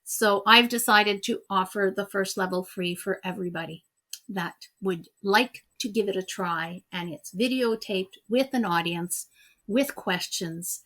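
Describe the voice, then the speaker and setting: A woman's voice: medium pitch, unhurried, bright, forceful tone. A woman whose first language is French, talking earnestly as a guest in a conversational interview. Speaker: interview guest, EFT practitioner.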